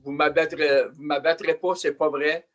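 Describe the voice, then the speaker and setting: An older man speaks in a somewhat high voice. He talks plainly, pauses often to search for words, and reaches for folksy comparisons. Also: level tone, fairly bright tone. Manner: plain-spoken, hesitant fillers, folksy sayings. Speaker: panelist.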